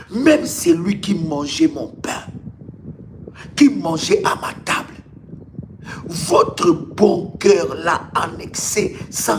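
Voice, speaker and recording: A male pastor preaches on a live stream in an emphatic, repetitive way, with rhetorical questions and stammered restarts. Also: a little high. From Congo. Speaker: pastor, ministry leader. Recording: faint background noise, live stream.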